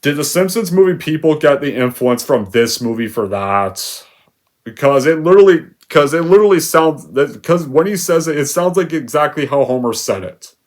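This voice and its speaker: Young male reviewer, exasperated rant, sarcastic bursts, mid-range voice. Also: mid-range voice. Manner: sarcastic, exasperated, loud outbursts. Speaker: movie reviewer. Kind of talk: ranting movie review.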